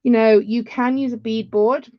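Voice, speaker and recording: A woman's voice: on the high side, steady tone, moderate pace, dull audio. A woman, giving a chatty live beading tutorial with rambling asides. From England.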